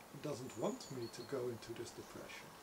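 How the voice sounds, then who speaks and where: Against noticeable background noise, a man speaks with ordinary pitch variation. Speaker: meditation guide. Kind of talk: guided meditation. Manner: gentle, soothing, first-person narration. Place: garden. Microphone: camera far.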